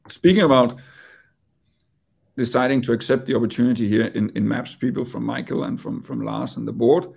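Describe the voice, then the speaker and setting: Danish businessman presenting to investors on a video call; raspy, gravelly voice, halting delivery. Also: medium pitch, a little mellow. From Denmark. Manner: hesitant, repeats words while speaking. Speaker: company executive.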